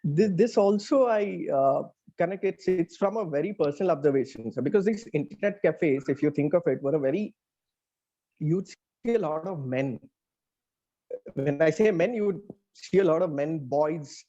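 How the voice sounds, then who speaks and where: A man with an Indian accent talking reflectively in a casual interview as a writer, often pausing to search for words. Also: a little high, dark tone. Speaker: interviewed audio playwright. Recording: dull, band-limited audio.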